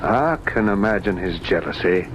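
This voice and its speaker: A man's voice: low voice, animated, normal speed. An actor playing an earnest, anxious young man in an old-time radio drama, speaking with dramatic, insistent intensity. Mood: insistent, intense. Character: earnest, anxious, probing grown son. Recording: dull, noisy old radio recording.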